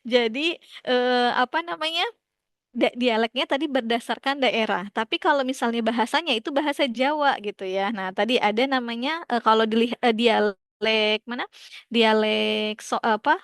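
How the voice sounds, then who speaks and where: A woman's voice: fairly high pitch, normal speed, clean tone, no room sound, studio quality. A young woman teaching a class, talking casually, laughing often and asking students questions, with many fillers.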